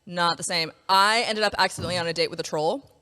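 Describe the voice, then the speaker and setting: A woman's voice: on the low side, fast talker, pushed and bright, clean tone, in a large hall. A woman in her forties hosting a podcast, talking in a blunt, profane, storytelling way during a casual chat. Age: 40s. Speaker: podcast host.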